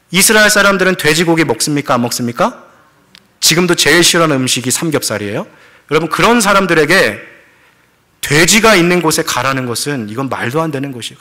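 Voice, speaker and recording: Speaking a little high with a sharp edge, this man delivers a sermon as pastor. He tells the story by putting questions to the congregation, and English words slip into his Korean throughout.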